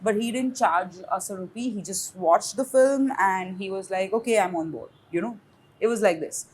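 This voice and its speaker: An Indian woman filmmaker tells a story with animated energy, laughing now and then and mixing in Hindi words. Her voice sits at a middle pitch, and a faint hiss runs under the recording. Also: moderate pace, poor audio. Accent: Indian English. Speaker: independent filmmaker. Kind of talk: casual roundtable discussion.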